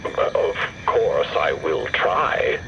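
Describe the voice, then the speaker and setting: A man's voice: very deep voice, sing-song, takes it slowly, vocal fry, lo-fi sound, noisy background, full character voice. A man playing a polite, curious robot in an audio drama, with a precise and mannered way of speaking. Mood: fascinated, eager. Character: polite, curious male robot with metal head. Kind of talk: audio drama character acting. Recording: voice under loud background music.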